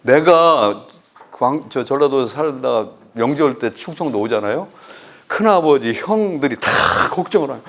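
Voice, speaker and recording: Animated male professor. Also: mid-range voice, moderate pace. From Chungcheong, South Korea. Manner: animated storyteller who acts out dialogue and teases the audience. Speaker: university professor lecturing. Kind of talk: humorous lecture with anecdotes.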